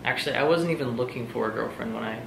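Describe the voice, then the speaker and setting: A man's voice: medium pitch, racing. A young man from Texas with an American accent, chatting casually as a vlog co-host. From Texas, United States. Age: young adult. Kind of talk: casual chat. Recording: echoey room with clear background noise.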